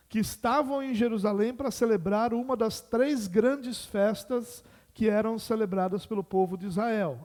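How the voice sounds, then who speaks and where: Man, Brazilian Portuguese accent, pastor, sermon, high pitch, rhetorical questions. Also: a little mellow. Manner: measured, explanatory, rhetorical questions. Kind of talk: expository sermon.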